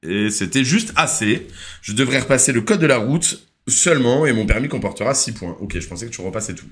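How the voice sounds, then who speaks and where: A man's voice: medium pitch, a little fast. A young man with a French accent, hosting a casual live driving-theory quiz, chatty and hesitant, reading questions and answering viewers. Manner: relaxed, chatty, full of hesitations. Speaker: driving school live host.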